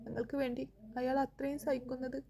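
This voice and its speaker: A woman's voice: high voice, flat delivery, brisk, creaky, a crowd in the background. A woman reading the lines of an emotional young woman who raises a child as her own, in an audio romance story. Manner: tearful and earnest. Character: young woman, devoted foster mother, emotional.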